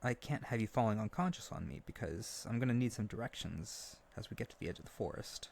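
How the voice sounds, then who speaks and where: A man playing an earnest, lovesick young harpy bird-boy in a roleplay audio drama, gentle and insecure, speaking tenderly with hesitant stammers. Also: fairly low pitch, fast, creaky, a little hiss or hum. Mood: wistful. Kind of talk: roleplay audio drama spoken intimately to the listener.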